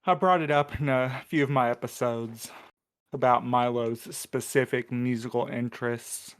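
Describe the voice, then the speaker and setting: A man's voice: mid-range voice, fairly even intonation, moderate pace, clean tone. A man in a podcast cast, chatting casually in a wry, joking way. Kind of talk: casual panel chat.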